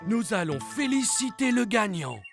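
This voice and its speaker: A woman playing an encouraging, gentle grown-up minding young children in a children's cartoon. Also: medium pitch, very animated, measured pace, vocal fry. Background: music.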